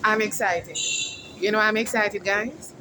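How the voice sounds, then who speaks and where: A woman's voice: medium pitch, steady tone, measured pace, background noise. A woman hosting a casual outdoor interview vlog, chatty and calling her viewers "guys". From Jamaica. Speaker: host. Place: outdoors at a mall food court.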